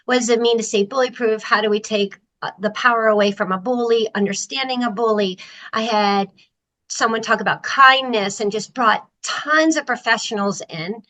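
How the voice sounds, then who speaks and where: A woman's voice: fairly high pitch, normal speed, pushed and bright, poor audio. A woman from Maryland, a podcast guest on a video call, talking in an enthusiastic, chatty way with fillers. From Maryland, USA. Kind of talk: casual interview chat. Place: video call from Costa Rica.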